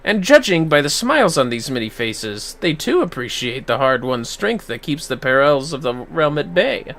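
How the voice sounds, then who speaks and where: Man playing courteous fantasy game mentor, grandiloquent archaic speech, measured delivery, bright voice. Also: a little high, very animated, voice pushed down. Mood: admiring.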